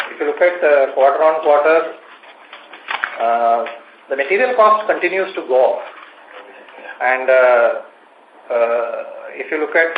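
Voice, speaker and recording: An Indian-accented man gives an executive's answers on an earnings call. His voice sits a little high and his phrasing is hesitant, with repeated words. The call sounds roomy and echoing. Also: phone-quality sound, a little hiss or hum.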